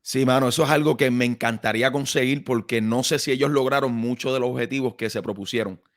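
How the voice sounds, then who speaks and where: A man's voice: mid-range voice, fast talker, dry recording, studio quality. Puerto Rican man, casual researcher talk. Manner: conversational, many fillers and tag questions. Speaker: guest researcher. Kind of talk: casual conversation.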